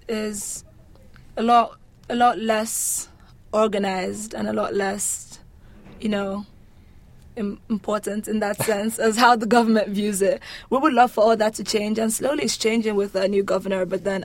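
A young woman from Nigeria answering interview questions in a conversational, explanatory and articulate way. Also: medium pitch. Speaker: interview guest.

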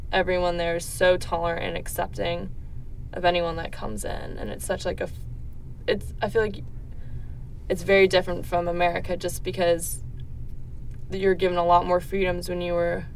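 A woman's voice: fairly low pitch, little pitch movement, normal speed, gravelly. A young woman from the Netherlands answering interview questions in casual, tentative, informal phrasing. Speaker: interview guest. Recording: distant mic, faint background noise.

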